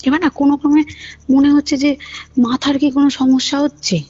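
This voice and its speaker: A woman's voice: sits high, little pitch movement, a little fast, warm tone. A woman telling a personal story casually as a caller, acting out the dialogue she quotes, on a phone call recording. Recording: muffled phone call recording, music underneath. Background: background music.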